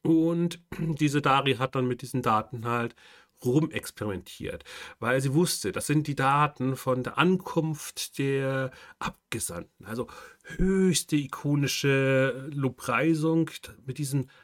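Man musing aloud, halting. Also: mid-range voice. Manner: thinking aloud with many fillers and restarts. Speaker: podcast host and game master. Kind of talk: casual monologue.

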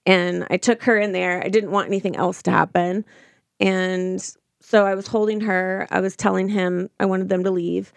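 A woman telling a personal account as an interview guest, speaking informally and haltingly, often restarting her sentences. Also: medium pitch, steady tone, gravelly, no room sound.

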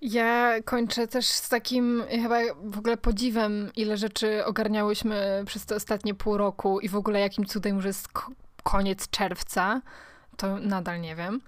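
A woman's voice: medium pitch, little pitch movement, moderate pace, no echo. A woman co-hosting a podcast, chatting casually and directly to listeners. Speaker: podcast co-host.

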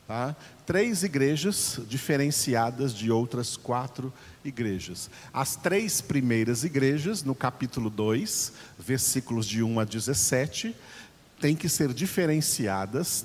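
A man delivers a Bible teaching sermon at an unhurried pace, his voice a little husky. He stresses and repeats each key point, and his pitch rises and falls a lot. The recording carries a long hall reverb. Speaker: preacher.

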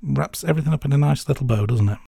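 A man's voice: mid-range voice, very fast, vocal fry, warm tone, husky, dry recording, studio quality. A man presenting a podcast as co-host, moving between scripted narration and casual chat.

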